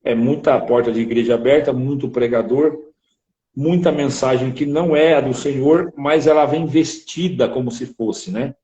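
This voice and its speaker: A man, an interviewed preacher sharing his testimony in lively storytelling, acting out other voices with emphasis. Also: mid-range voice, moderate pace, lo-fi sound.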